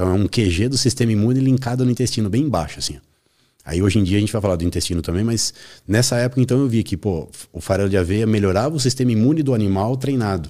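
With a dark, mellow tone and lively intonation, a man talks at a very fast pace and a fairly low pitch. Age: 40s. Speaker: sports nutritionist. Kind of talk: podcast interview.

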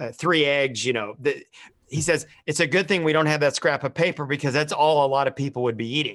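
Over a quiet background, a man talks in an ordinary speaking voice. His pitch variation is ordinary. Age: 50s. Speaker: theology podcast co-host. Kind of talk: casual theological discussion.

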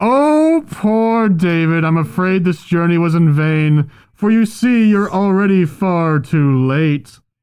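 This put-on character voice sits at a middle pitch and runs on with hardly any pauses. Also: fairly slow pace. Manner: muffled.

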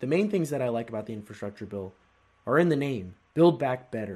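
In an American accent, a man with a medium pitch speaks at a moderate pace, his animated tone marked by very wide pitch swings. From California. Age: 20s. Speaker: podcast host. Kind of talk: casual monologue commentary. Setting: home recording with camera. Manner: animated, with frequent fillers and restarts.

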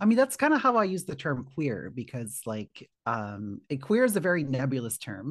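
A woman with a Canadian accent speaks in a very deep, low pitch with very wide pitch swings. She keeps a moderate pace with hardly any pauses against a quiet background. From Canada. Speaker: podcast host. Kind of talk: interview conversation.

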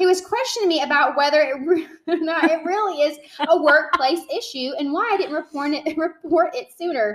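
Speaking with a slight Texan accent, a woman with an extremely high pitch talks at a moderate pace with lively intonation. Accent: Texan, slight twang. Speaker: podcast host and teacher. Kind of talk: casual chat.

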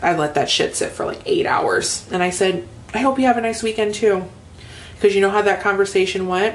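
Over noticeable background noise, a woman at medium pitch talks at a fairly quick pace. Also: ordinary pitch variation. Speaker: podcast co-host. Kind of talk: casual chat. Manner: animated.

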